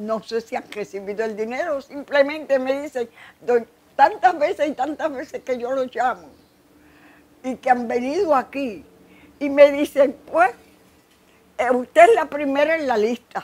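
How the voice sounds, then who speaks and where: A woman talks at a fairly slow pace with long, frequent pauses. Her high voice has lively intonation and big swings in loudness. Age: 80s+. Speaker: hurricane survivor. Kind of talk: interview answer. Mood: sorrowful, frustrated. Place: home room. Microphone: lapel.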